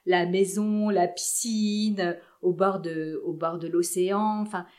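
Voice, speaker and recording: Low-voiced woman telling casual anecdotes. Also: fairly even intonation, takes it slowly, a little mellow. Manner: chatty, hesitant, with many restarts. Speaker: podcast guest.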